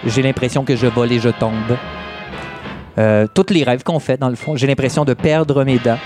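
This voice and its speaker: A man's voice: medium pitch, steady tone, moderate pace, over music. A man with a Québécois accent, emceeing a live event and calling an auction in a playful, joking way, stretching out the bid calls. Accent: Québécois French.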